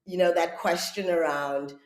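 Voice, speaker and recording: A woman's voice: lowish voice, fairly even intonation, moderate pace. A woman, a writer and director, talking thoughtfully in an interview, often searching for her words. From South Africa. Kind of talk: reflective conversational interview. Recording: echoey room.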